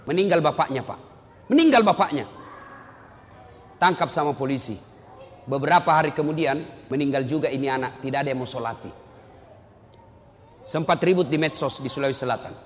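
A male Islamic preacher giving a lively sermon full of stories, swinging between loud emphatic rises and low, quiet drops. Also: brisk, pauses often, a little hiss or hum. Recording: long hall reverb.

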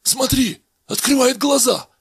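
An excitable scientist in a storybook, gushing with admiration in a voice lifted far above normal, as a male narrator plays him. The sound is husky and dry, with a lively, swooping delivery. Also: high voice, moderate pace, no echo, pitched above the performer's own voice, exaggerated voice. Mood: gleeful. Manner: enthusiastic, breathless praise.

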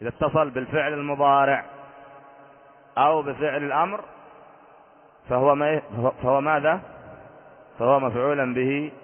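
A man's voice: medium pitch, fairly even intonation, moderate pace, pauses often. A man, a sheikh, teaching an Arabic grammar lesson, quizzing his students and repeating each rule. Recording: tinny phone-like audio in a long-reverb hall.

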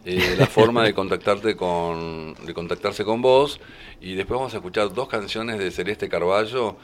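A man's voice: deep voice, normal speed, a little hiss or hum. A man with an Argentine accent hosting a radio interview, chatty and rambling, often correcting himself. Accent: Argentine Spanish. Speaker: radio host. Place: radio studio.

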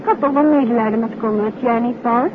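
An actress playing a detective's composed, observant wife, speaking politely and with refined curiosity in a 1950s radio drama. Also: female voice, fairly high pitch, fast talker, close to an everyday voice. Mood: fond, teasing. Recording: muffled, noisy, phone-like old radio recording.

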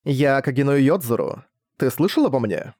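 A blunt, self-assured grown woman on the road, tossing out offhand questions, as a male narrator puts her on. The voice is mellow and soft-edged, set close and dry with no room around it. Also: mid-range voice, lively intonation, normal speed, no room sound, lightly acted.

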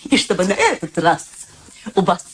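A woman's voice: lowish voice, wildly swooping pitch, moderate pace, slight background noise. An actress playing a naive, gushing, inquisitive elderly mother who loves to matchmake in a radio play. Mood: delighted. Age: older.

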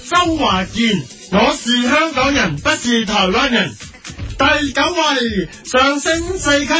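A man's voice: very high voice, bright, forceful tone. A man with a Hong Kong Cantonese accent hosting a comedic radio sketch, playful and hyped as he counts down a music chart. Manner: playful, switching between host voices, hyped chart-countdown delivery.

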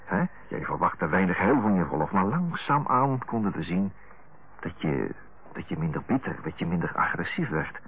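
Deep, husky, earnest brother on tinny old radio. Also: male voice, sing-song, moderate pace, exaggerated voice. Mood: insistent, gentle. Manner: hesitant, searching, self-correcting. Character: earnest, affectionate middle-aged younger brother, tactfully frank. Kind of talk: radio drama acting. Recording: tinny narrow-band old radio recording.

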